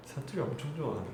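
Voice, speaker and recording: A young man in his twenties chatting casually and laughing with fans on a live stream. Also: a little high. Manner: chatty, laughing, polite speech. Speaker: idol hosting a live stream. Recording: very echoey room with clear background noise.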